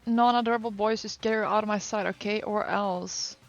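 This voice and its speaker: Girl reading as a manic lady killer, taunting and showing off, quick and mocking. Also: medium pitch, fairly even intonation, highs cut off, natural voice. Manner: boastful, mocking.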